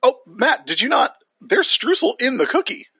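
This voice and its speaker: A man's voice: very high voice, moderate pace, slightly rough, no room sound. A man co-hosting a casual podcast, joking around and swearing casually. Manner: animated, jokey, swears casually. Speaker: podcast co-host. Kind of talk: casual chat.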